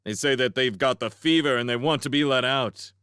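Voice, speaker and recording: A man's voice: mid-range voice, fairly quick, a bit bright, smooth, no room sound, clean studio sound, natural voice. A man voicing a sly, cheerful young male otter who pleads innocently and whispers schemes in an audiobook. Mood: pleading.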